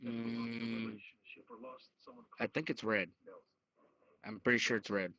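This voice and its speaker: Man, podcast quiz player, casual banter, sharp mid-pitched voice, dull recording. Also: steady tone, slow pace. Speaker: quiz contestant. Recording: dull, lo-fi online call.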